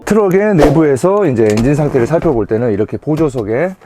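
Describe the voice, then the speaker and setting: A man's voice: on the high side, lively intonation, a little fast, music in the background. A man, explaining things to viewers as a used car dealer in polite, formal salesman patter. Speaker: used car dealer presenting a truck-buying guide. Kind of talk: informal explainer presentation to viewers. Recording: faint background noise.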